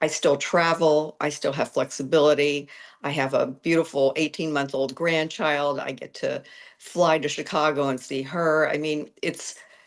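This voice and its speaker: A woman speaks with a very deep, low pitch. Her intonation is monotone and flat. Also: moderate pace. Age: 60s. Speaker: real estate investor. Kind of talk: interview.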